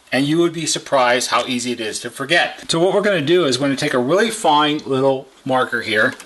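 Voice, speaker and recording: A man with a bright, forward voice talks through a technical repair in an informal teaching style. He is plain-spoken and goes step by step, restating key points for emphasis. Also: medium pitch, a little hiss or hum. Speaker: repair technician giving a how-to demonstration. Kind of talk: informal instructional explanation.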